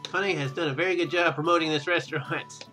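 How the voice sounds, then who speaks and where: A man's voice: a little high, fairly even intonation, fast talker, sharp tone. A young man hosting a casual game playthrough, reading narration aloud and commenting, sometimes stumbling over words and rereading them. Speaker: let's play host. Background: game music.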